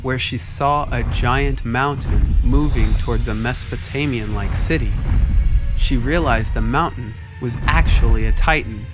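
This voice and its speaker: A man's voice: mid-range voice, unhurried. A man reading scripted, dramatic story narration as the narrator. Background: prominent music.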